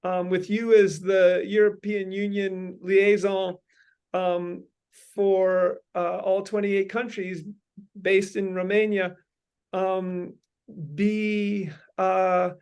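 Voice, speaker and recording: A man hosting a meeting talks in long, winding sentences, pausing often on ums and uhs. His voice sits high and comes through smooth and resonant. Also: little pitch movement, a little mellow. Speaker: host leading a meeting. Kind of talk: brainstorming meeting talk.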